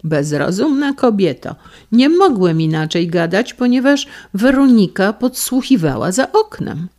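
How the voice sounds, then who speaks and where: A woman's voice: medium pitch, sing-song, a little slow, a little mellow, pitched above the performer's own voice. A middle-aged husband in a storybook tale, peevish and quarrelsome, as a woman puts him on. He snaps and grumbles with a sarcastic bite. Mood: irritated.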